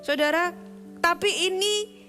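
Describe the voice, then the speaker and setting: A woman pastor delivers a sermon in a high, clear register, earnest and conversational as she turns again and again to address her listeners directly. Faint music sits quietly underneath her voice. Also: unhurried.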